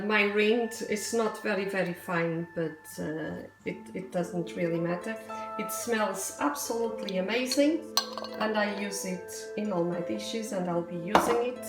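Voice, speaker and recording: A woman from Portugal with a Portuguese accent, chatting casually through a home cooking demonstration, rambling into asides with frequent hesitations. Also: medium pitch. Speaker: home cook. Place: home kitchen. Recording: echoey kitchen with music behind.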